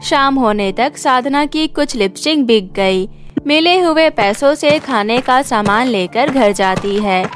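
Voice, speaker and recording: A woman's voice: sits high, lively intonation, a little slow, soft background music. A woman narrating a scripted moral bedtime story as its storyteller.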